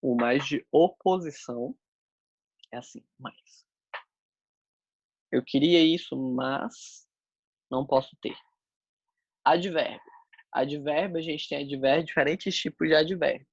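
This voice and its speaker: A man's voice: a little high, slow pace, pauses often, husky, no echo, lo-fi sound. A man teaching a sign language class, explaining step by step as he demonstrates the signs.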